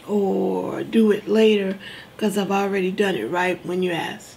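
Over light background noise, a woman speaks with monotone, flat intonation. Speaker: ministry host. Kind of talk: devotional talk. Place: studio.

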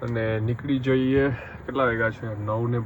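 In a room with audible echo and noticeable background noise, a man talks at a medium pitch with monotone, flat intonation. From Gujarat, Saurashtra (Jamnagar area). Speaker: vlogger. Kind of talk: casual vlog narration. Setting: in a car.

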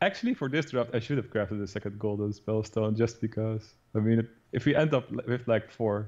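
With a Dutch accent and medium pitch, a man speaks fairly quickly and fairly evenly against a quiet background. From Netherlands. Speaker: gaming co-player. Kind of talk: casual gaming commentary.

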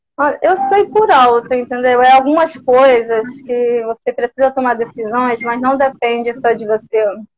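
With a strong northeastern Brazilian accent, a woman speaks at a high pitch and moderate pace, with ordinary pitch variation and hardly any pauses. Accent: northeastern Brazilian, still strong. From Northeast Brazil, Alagoas. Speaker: viewer called into live; guest. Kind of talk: live call conversation. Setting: phone or video call. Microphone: video call.

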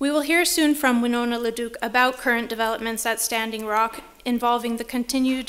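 The woman here talks at a fairly quick pace. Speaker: professor and event curator. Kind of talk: formal introduction and moderation. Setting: stage with audience. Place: hall. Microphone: headset.

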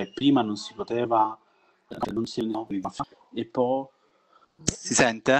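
A man's very slow speech with long, frequent pauses, big swings in loudness and ordinary pitch variation, over noticeable background noise. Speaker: master's student. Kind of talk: audience question. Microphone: poor audio, hard to hear; video call.

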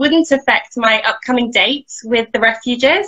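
In a southern English accent, a woman speaks at a fairly slow pace with ordinary pitch variation over a quiet background. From southern England. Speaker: beauty pageant contestant. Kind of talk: interview. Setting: video call. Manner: loud; animated. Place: home room. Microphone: video call.

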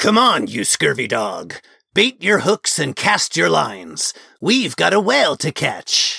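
Using a raspy, put-on character voice, a man speaks fairly slowly at a high pitch. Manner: jovial, bossy.

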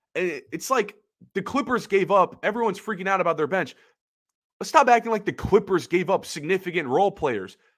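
Against a quiet background, a man with an American accent talks at a fairly quick pace, high-pitched and with lively intonation. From Ohio. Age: 20s. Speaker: sports podcast host, college student. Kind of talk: casual solo sports talk. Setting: live stream. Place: home room. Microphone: webcam.

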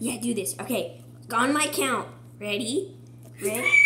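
A woman performs a cartoonish character voice at a moderate pace. Loud background noise runs underneath. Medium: puppet show. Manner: laid-back, repetitive.

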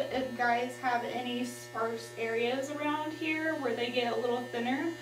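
Music plays in the background as a woman speaks. She keeps a moderate pace. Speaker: hairstylist demonstrating. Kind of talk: tutorial. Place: home room. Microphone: camera far.

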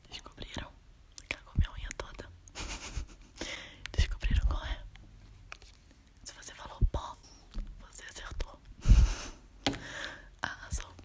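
A woman whispers at a fairly slow pace. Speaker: beauty vlogger. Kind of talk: casual talk to camera, ASMR-style makeup video. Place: home room. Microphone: studio mic.

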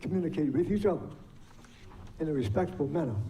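Amid audible room echo, a man speaks at a fairly high pitch with lively intonation. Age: 80s+. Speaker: retired police officer speaking at a town hall. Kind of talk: public comment at a town hall meeting. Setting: town hall meeting with audience. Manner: halting, with repetitions.

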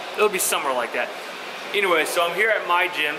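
A man's pitch varies in an ordinary way as he speaks against noticeable background noise. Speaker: fitness vlogger. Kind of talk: casual vlog chat. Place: gym. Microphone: phone near.

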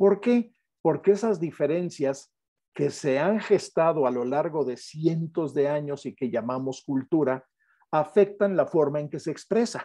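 A man talks at a fairly slow pace with lively intonation. His tone is dark and mellow, and the background is quiet. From Mexico. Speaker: psychology professor. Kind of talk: lecture. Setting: video call. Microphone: video call.

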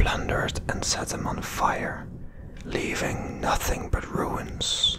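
Very slowly, a man speaks in a whisper. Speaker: ASMR storyteller. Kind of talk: ASMR history narration. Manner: whispered. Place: home room. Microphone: handheld.

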